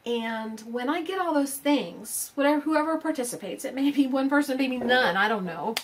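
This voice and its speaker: Woman, 50s, casual vlog chat, rambling, fillers, slightly high. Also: expressive, normal speed, slight background noise. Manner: chatty, rambling, many fillers and restarts. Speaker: crafting vlogger.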